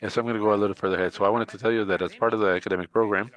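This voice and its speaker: A man's voice: on the low side, fairly even intonation, racing. A man from Rica, giving a conference presentation in hesitant English, full of filler sounds and restarts. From Costa Rica. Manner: hesitant, many filler uhs and restarts, speaking English as a second language. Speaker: conference speaker.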